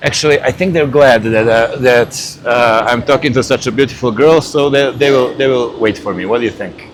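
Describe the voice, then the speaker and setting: A man with a Serbian accent chats in English that is not his first language, stopping and restarting as he hunts for words. His voice sits at an ordinary middle pitch, and he keeps the talk light and friendly. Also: normal speed, a crowd in the background. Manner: hesitant, repeats words, searches for English. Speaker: dating coaching client. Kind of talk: casual street conversation.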